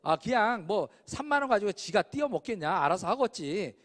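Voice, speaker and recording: A man's voice: high-pitched, big pitch swings, a little fast, fairly bright tone. A man acting out an easygoing, peace-loving male classmate who avoids fuss, recorded with a long hall reverb. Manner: laid-back, timid.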